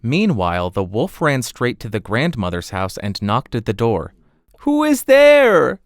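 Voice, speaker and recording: Lively male storybook narrator. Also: on the low side, moderate pace, no echo, studio quality. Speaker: audiobook narrator. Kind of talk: expressive scripted fairy-tale narration. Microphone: close studio condenser microphone.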